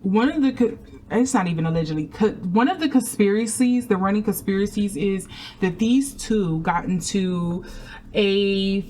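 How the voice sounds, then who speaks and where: A woman talks her way through a tarot reading in a loose, chatty way, circling back on herself with ums and restarts. Her voice sits at an ordinary middle pitch. A faint hiss of noise runs under the recording. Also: moderate pace, dark tone. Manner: chatty and meandering, full of fillers and restarts. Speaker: tarot reader. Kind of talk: casual tarot reading to camera.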